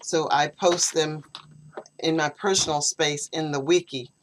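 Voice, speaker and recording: A woman with a notably low voice, tutoring English over a video call from home. She explains patiently and at length, laying out her methods step by step. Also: fairly even intonation, noisy background. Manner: explanatory, measured. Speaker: English teacher. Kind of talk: online tutoring session. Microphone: computer video call microphone.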